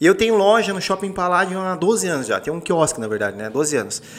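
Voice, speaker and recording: This man speaks very fast in a high-pitched, animated tone. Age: 30s. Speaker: entrepreneur, action figure maker. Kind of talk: podcast interview.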